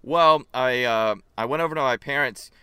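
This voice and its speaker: Halting man telling a story, dry sound. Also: medium pitch, sharp tone, clear, resonant tone, no room sound. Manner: halting, many fillers. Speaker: podcast co-host. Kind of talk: casual storytelling.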